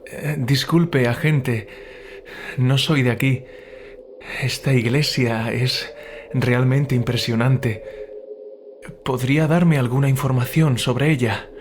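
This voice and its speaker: A man's voice: medium pitch, fairly even intonation, takes it slowly, pauses often, noisy background, lightly acted. A man acting as a polite, curious writer new in town, hesitant and inquisitive, in a dramatized audiobook. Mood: polite curiosity.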